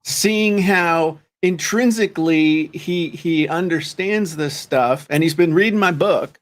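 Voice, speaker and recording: A man's voice: fairly high pitch, slow pace. A man co-hosting a podcast in casual chat, rambling and joking with lots of restarts. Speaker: podcast co-host.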